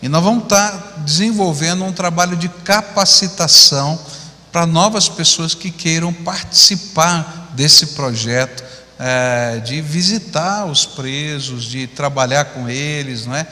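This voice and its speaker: Man, middle-aged pastor, handheld mic, big church hall echo, forceful tone. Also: fairly high pitch, measured pace. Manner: conversational preaching, frequent tag questions. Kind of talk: sermon. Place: large church auditorium stage. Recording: long hall reverb.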